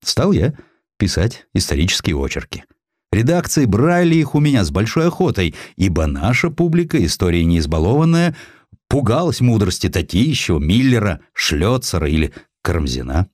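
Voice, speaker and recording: A man reading a literary history audiobook in an expressive, theatrical storytelling manner, acting out the dialogue as he goes. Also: lowish voice, moderate pace, dry recording, clean studio sound. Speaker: audiobook narrator. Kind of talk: expressive scripted literary narration.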